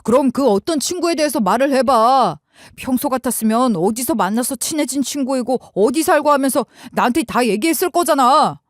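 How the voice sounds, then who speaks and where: A woman's voice: high-pitched, expressive, brisk, dry recording, studio quality, voice pushed up. A woman voicing an irritated, suspicious husband. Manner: sharp, demanding questions. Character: suspicious middle-aged husband, quick to anger. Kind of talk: scripted audiobook dialogue.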